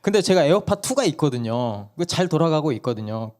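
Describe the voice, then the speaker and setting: A hoarse male pastor giving a sermon at a church service, telling stories and asking the congregation questions. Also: on the high side, big pitch swings, fast, a little mellow. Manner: conversational storytelling, asks the congregation questions.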